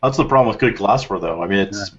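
A man's voice: fairly low pitch, animated, fast talker, fairly bright tone. A man hosting a casual beer review, reading tasting notes and joking with his friends. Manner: reads tasting notes then jokes and swears. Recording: slightly dull lo-fi sound.

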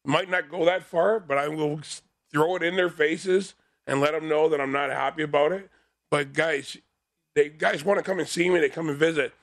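Gravelly, blunt, fired-up man. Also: a little high, steady tone, normal speed, dry recording, clean studio sound. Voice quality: big voice. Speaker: panel guest. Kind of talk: casual sports talk.

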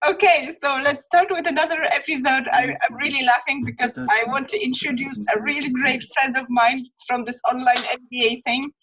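A woman's voice: high voice, steady tone, fairly quick, few pauses, fairly bright tone, a little hiss or hum, rough recording. A woman hosting an interview, talking in a friendly, rambling way with many fillers. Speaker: interview host. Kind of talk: casual interview chat.

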